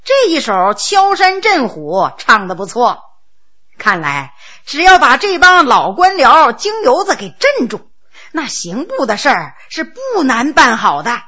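A woman's voice: sits high, huge pitch swings, unhurried, sharp tone, husky. A woman telling a court tale in traditional oral storytelling style, with vivid, dramatic narration.

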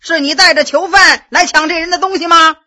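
Wily old tea merchant, bright and lively, coarse one moment, bookish the next, read by a woman. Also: high voice, a little slow, full character voice. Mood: mocking. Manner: switches between coarse and bookish. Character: shrewd old male tea merchant, mocking.

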